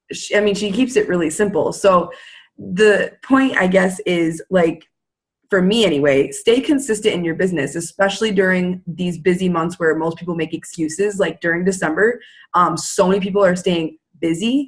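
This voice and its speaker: Here a woman speaks at a moderate pace. Her pitch is medium, with ordinary variation. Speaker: network marketing team leader hosting weekly video calls. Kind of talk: casual chat. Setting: video call. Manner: loud; animated.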